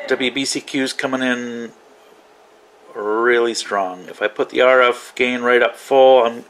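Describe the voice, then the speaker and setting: Slow-talking male hobbyist. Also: medium pitch, a bit bright, slight background noise, poor audio. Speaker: radio hobbyist demonstrating receivers. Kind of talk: casual vlog demonstration. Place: small indoor radio desk.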